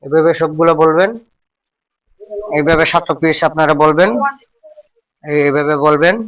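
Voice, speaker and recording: A man with a high voice and a narrow, flat melody teaches a folk-healing ritual step by step. He goes back over each instruction again and again as he demonstrates. His voice sounds a little distant from the microphone. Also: moderate pace.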